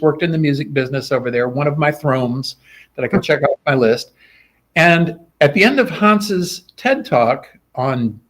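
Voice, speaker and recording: A middle-aged man with a somewhat high voice, speaking as a guest in a relaxed interview. He tells stories with animation and slips into the voices of the people he quotes. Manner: animated, acts out quoted dialogue. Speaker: guest, sword swallower. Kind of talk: casual interview storytelling.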